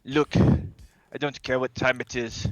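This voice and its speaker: A man's voice: mid-range voice, flat delivery, slow pace, lo-fi sound, natural voice. A man voicing a formal, easily exasperated caretaker of a magical arboretum, speaking in stilted, proper sentences. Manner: formal, stilted wording, bursting into exasperated outbursts.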